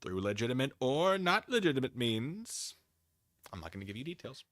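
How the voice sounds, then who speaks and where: A man's voice: medium pitch, very animated, normal speed, a bit bright, slight background noise. A man hosting a livestream in casual chat, rambling wryly as he reads and answers viewers and acts out imagined exchanges.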